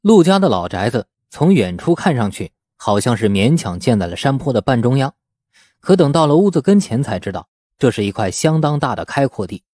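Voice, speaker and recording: A man's voice: mid-range voice, very animated, a little fast, a little mellow, no echo, clean studio sound. A man narrating a novel as a scripted audiobook in a storytelling style.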